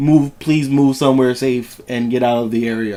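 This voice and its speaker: A man's put-on, robotic character voice at a medium pitch and a moderate pace. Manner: mock robotic, flat.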